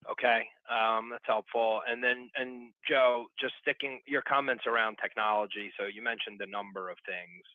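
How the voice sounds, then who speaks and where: A man's voice: medium pitch, fairly even intonation, normal speed, hardly any pauses, no echo. A man working as a financial analyst, asking tentative questions on an earnings call over a phone line. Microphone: telephone. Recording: dry, tinny phone line.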